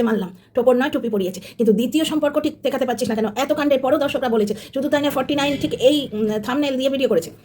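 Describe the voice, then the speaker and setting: A woman's voice: sits high, darkish tone. A woman hosting a commentary channel, delivering a combative, sarcastic monologue that speaks straight to her viewers.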